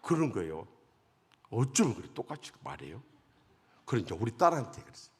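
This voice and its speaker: A middle-aged male guest preacher telling a story in an emotional revival sermon, dramatic and swinging from hushed to loud, heard with long church hall reverb. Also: medium pitch, sing-song, fairly quick, breathy edge. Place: large church sanctuary.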